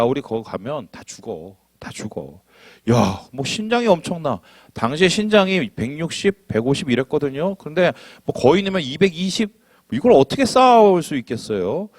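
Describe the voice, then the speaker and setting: A pastor with a slightly high voice gives a lively sermon, asking his congregation questions and dramatizing quotes. The recording is dry.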